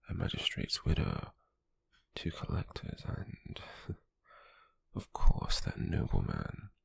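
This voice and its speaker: A British man playing a possessive, calculating, smug slave merchant in a hushed ASMR roleplay, with a husky, breathy, gravelly voice and a slow, deliberate delivery. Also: sits low, heavily acted. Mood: smug, gloating. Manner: slow, deliberate, with lingering pauses.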